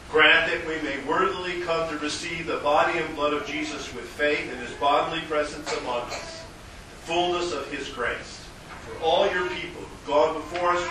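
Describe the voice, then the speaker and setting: Pastor with a high voice slowly reading prayers, big cathedral echo, hissy noisy recording. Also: male voice. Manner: solemn, measured prayer reading. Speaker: pastor leading the liturgy. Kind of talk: liturgical prayers and chanted liturgy. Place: large church sanctuary. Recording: booming church echo, distant mic, background noise.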